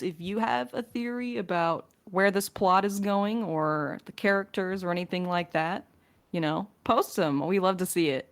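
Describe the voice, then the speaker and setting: A woman in a casual podcast Q&A, talking playfully as one of the crew fielding questions. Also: medium pitch.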